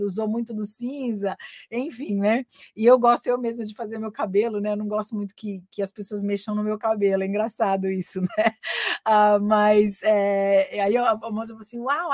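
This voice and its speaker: Brazilian woman host, chatty teacher on a live stream, middle pitch, dry close sound. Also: steady tone, a little fast, darkish tone, no room sound. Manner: chatty and laughing, switching between Portuguese and English. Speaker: English teacher hosting a weekly live stream. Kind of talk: casual live-stream chat.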